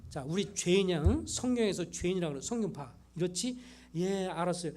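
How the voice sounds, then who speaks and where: A man's voice: high voice, animated, a little fast, a little mellow. A man, a pastor, giving a church parenting lecture and acting out quoted parent and child lines. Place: church hall.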